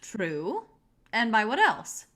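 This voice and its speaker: A strict high school teacher acted by a woman at a table read. Her voice is fairly high and moves expressively up and down. She speaks formally and impatiently, with classroom authority. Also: wildly swooping pitch, slow pace, fairly bright tone, exaggerated voice. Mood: instructive. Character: stern, impatient female high school teacher keeping order.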